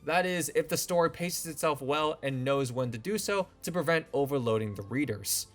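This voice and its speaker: A man's voice: on the high side, animated, moderate pace, fairly bright tone, soft background music. A man hosting a scripted commentary video, opinionated with a wry, sarcastic edge. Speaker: video essay host.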